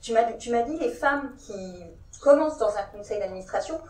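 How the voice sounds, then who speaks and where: A woman's voice: on the high side, expressive, fairly quick, darkish tone, a little hiss or hum. A woman moderating a round-table discussion, asking panelists questions in a conversational way. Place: large conference hall. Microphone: handheld mic, filmed from far. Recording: echoey hall from far off.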